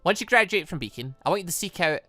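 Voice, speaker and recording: Let's player doing a calm cryptic warrior mom in a game, measured, bright voice, music under. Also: mid-range voice, dry recording. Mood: commanding.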